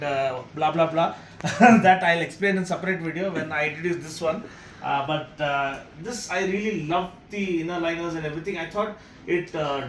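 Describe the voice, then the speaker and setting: Higher-voiced Indian man in echoey room. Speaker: vlog host and product reviewer. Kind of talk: casual unboxing chat. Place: hotel room, indoors. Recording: echoey room with noticeable background noise.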